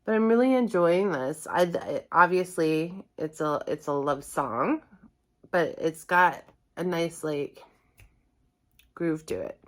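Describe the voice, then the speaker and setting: A woman's voice: low voice, expressive, slow. A woman hosting a reaction channel, chatting casually to viewers in a rambling, self-correcting and somewhat apologetic way. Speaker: host of a music reaction channel.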